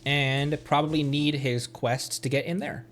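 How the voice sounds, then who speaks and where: A man's voice: a little high, fairly even intonation, measured pace, a bit bright, faint music behind. A man doing casual live game commentary, playfully muttering to himself and chatting to his viewers. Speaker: streamer.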